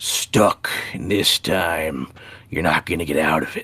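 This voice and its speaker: A man's put-on character voice, very deep and low, growling and raspy, at a fairly slow pace. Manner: nasty.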